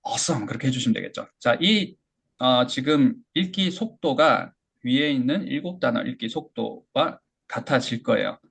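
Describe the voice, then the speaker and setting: A man teaching English pronunciation in a lecture, explaining step by step and modeling phrases slowly for learners to repeat. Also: medium pitch, animated, vocal fry, a bit bright, breathy edge. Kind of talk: online lecture.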